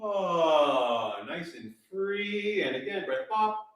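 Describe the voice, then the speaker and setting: A man coaches a live vocal lesson in a calm, guiding tone. He breaks into sighs and sung drills as he demonstrates. He sits back from a distant camera mic, and a lot of room echo surrounds his voice. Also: sits high, slow. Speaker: voice teacher.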